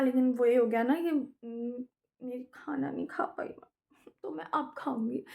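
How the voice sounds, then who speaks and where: Chatty young woman with a bright voice. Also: on the high side. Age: young adult. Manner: chatty and self-mocking, mixing in English words. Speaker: vlogger. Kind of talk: casual vlog chat.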